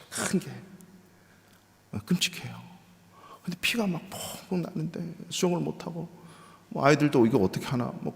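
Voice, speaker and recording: A middle-aged man preaching a sermon as pastor, telling stories, acting out voices and dropping at times to a soft whisper. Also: fairly high pitch, creaky. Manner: storytelling, acts out voices, drops to soft whispers. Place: church sanctuary. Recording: reverberant church hall.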